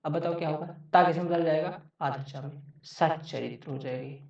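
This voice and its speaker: A man's voice: fairly high pitch, steady tone, fairly quick, creaky, a little mellow. Male tutor, exam-prep lecture, repeats every point and checks in constantly; far from the mic, dull and muffled sound. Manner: repeats each point, checks with frequent "okay". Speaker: teacher. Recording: echoey, distant, dull mic.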